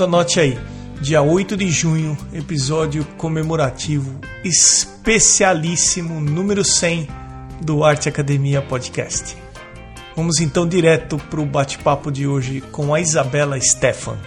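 A man with a Brazilian accent hosting a podcast, speaking in a conversational interview style. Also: fairly high pitch. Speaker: podcast host.

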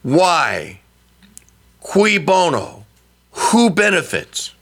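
Male talk radio host, middle-aged, fairly high and lively, emphatic, stammers through restarts. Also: drawn-out words, gravelly. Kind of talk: opinionated talk radio monologue.

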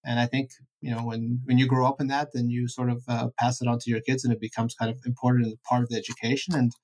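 A middle-aged man of average pitch, born in Ukraine and raised in Canada. He answers reflectively and at a measured pace, pausing and correcting himself as he goes. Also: level tone, darkish tone, rough recording. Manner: thoughtful, measured, self-correcting. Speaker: guest entrepreneur.

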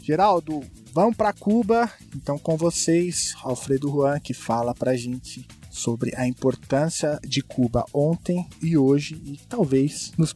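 A man's voice: medium pitch, warm tone. A man co-hosting a podcast, chatting casually and joking with his guest. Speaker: podcast co-host.

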